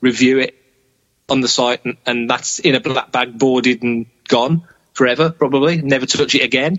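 A man with a British accent speaks at a fairly quick pace. His intonation is fairly even. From UK. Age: 50s. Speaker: Star Wars news site creator and writer. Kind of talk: casual interview chat.

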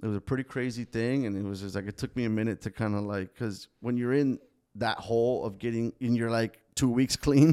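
A man with a Spanish accent speaks at medium pitch and a moderate pace, his dark, mellow tone dry and close with no echo and hardly any pauses. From South Florida, Davie. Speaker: guest in recovery. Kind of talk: casual chat. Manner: animated.

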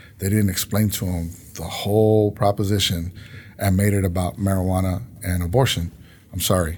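A man with an American accent speaks at a fairly quick pace with a very deep, low pitch. His voice is somewhat breathy and his intonation fairly even. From San Antonio, Texas. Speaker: police union leader. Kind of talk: interview.

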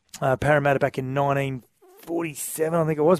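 A man speaks in a fairly high voice with fairly even intonation. His pace is fairly slow. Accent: Australian. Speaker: former rugby league player and commentator. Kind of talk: casual chat.

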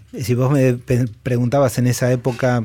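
This man's voice has a dark, mellow tone. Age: 50s. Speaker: former radio host and producer. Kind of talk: interview.

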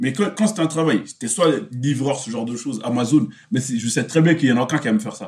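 With lively intonation and a somewhat breathy medium pitch, a man talks at a very fast pace. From Paris suburbs, Gennevilliers. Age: 20s. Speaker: web developer and media creator. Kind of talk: interview. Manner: casual, hesitant with fillers.

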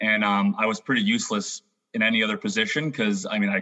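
In a Western Canadian accent, a man speaks at a very fast pace. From northern British Columbia, Canada. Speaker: hockey app co-founder, former goaltender. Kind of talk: casual interview chat.

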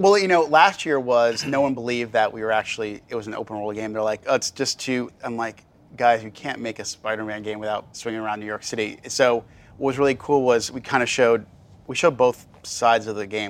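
On a very clean recording with a silent background, a man with a normal speaking voice at medium pitch talks at a fairly quick pace, with ordinary pitch variation and big swings in loudness. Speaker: video game developer. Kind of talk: casual interview. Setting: live at a gaming expo.

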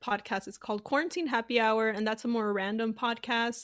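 Moderate-paced, a normal speaking voice in an American accent. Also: woman, quiet background. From Arizona, US (small border town). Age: 30s. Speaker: actress and comedian. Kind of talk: interview conversation. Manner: laughs often.

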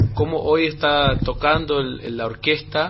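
A man with a fairly high voice talks at a very slow pace, his pitch varying in an ordinary way over noticeable background noise. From Netherlands. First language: Dutch (speaking Spanish). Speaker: singer and composer. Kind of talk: radio interview. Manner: halting.

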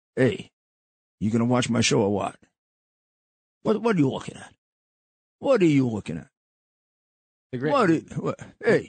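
In a put-on character voice, a man sounds raspy at a medium pitch, swinging very widely in pitch at a moderate pace with long, frequent pauses. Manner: aggressive, confrontational.

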